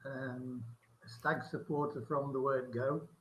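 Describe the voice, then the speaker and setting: Older guest, English man, flat level delivery, faint hiss behind, calm and measured. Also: mid-range voice, poor audio. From England, Nottinghamshire. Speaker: podcast guest. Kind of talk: casual reminiscing chat.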